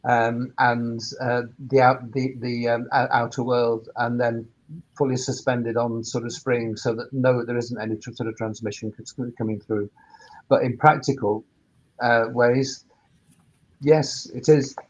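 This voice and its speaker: A man's voice: mid-range voice, level tone, a little slow, poor audio. A man giving informal expert explanations on a webinar panel, hesitant and often repeating his words. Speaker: sound engineer and workspace operator, panelist.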